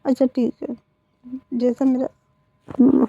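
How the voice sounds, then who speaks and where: A woman's voice: high voice, little pitch movement, unhurried, creaky, warm tone, husky, muffled recording, heavily acted. A woman voicing a doting young man in a storybook romance, coaxing and pleading.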